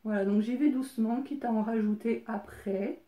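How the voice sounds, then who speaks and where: Female beauty vlogger, higher-pitched, talks through a makeup look in a hesitant, chatty way; roomy echo on the recording. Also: mellow. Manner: chatty and hesitant, many filler pauses. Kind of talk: casual makeup tutorial.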